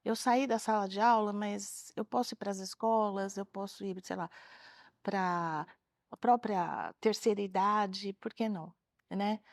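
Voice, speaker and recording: A woman's voice: mid-range voice, unhurried, creaky, dry recording. A middle-aged woman, a retired teacher, telling stories in a TV studio interview. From Brazil. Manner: animated storyteller, acts out children's voices. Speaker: retired teacher and author, guest. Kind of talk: interview storytelling.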